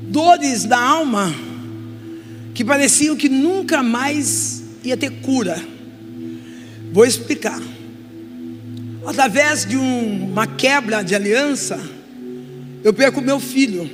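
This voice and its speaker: Brazilian lady preacher, testimony sermon, goes soft then loud, long hall echo. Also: fairly high pitch, animated, slow pace, long pauses. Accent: Brazilian Portuguese. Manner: emotional, swings from soft confession to loud exhortation. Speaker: guest preacher. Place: church hall. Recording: reverberant church hall with music.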